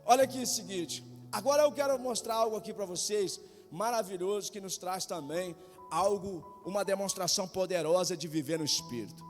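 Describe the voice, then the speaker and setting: A man's voice: high-pitched, brisk. A male pastor preaching an impassioned sermon, firing rhetorical questions at the congregation. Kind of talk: Pentecostal sermon. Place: church sanctuary. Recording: long church reverb, faint music.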